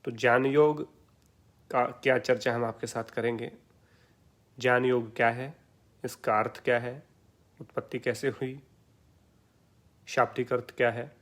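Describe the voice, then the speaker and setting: A man with an Indian accent teaches a yoga lesson in a calm, explanatory way. His voice sits at an ordinary middle pitch. He repeats key terms and answers his own questions as he goes. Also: unhurried, long pauses. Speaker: yoga lecturer. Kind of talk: explanatory lecture.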